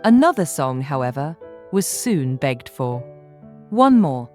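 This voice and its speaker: A woman reading literary narration in a measured, formal way as an audiobook narrator. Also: sits low, sing-song, a little mellow, faint music behind.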